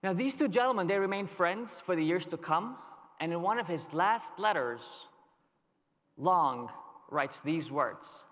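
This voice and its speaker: Guy doing a keynote on a big stage, slow dramatic storytelling, voice a bit high, long hall echo. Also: lively intonation, a bit bright. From Lebanon. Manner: storytelling, measured with dramatic pauses. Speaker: keynote speaker. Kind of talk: conference keynote speech. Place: large conference hall. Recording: long reverb of a large hall.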